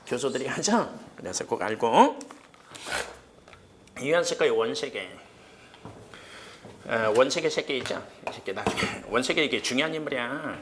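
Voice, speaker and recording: A man teaching exam prep history in a cram school lecture room, firing questions at students and answering them himself, blunt and joking, with casual rough slang. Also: medium pitch, a bit bright, slight background noise.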